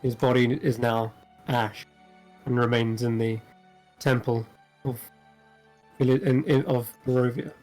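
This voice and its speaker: A man improvising in character as a tabletop game player, speaking in a halting, measured, matter-of-fact way. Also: medium pitch, level tone, darkish tone. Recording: music playing behind the voice.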